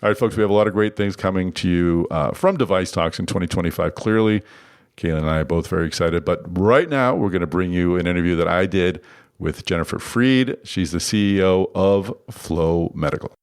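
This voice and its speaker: A very deep, gravelly man hosting a podcast. He talks loosely and conversationally, circling back and restarting his thoughts with lots of filler. Warm chatty interview tone. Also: brisk. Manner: rambling, restarts often with filler words. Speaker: podcast host.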